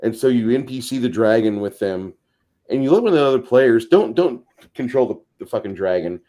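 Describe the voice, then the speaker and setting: A man's voice: mid-range voice, expressive, a little fast, dark tone. A man on a tabletop gaming talk show, chatting casually in a blunt, profane, emphatic way and acting out imagined quotes. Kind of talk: casual discussion of game mastering.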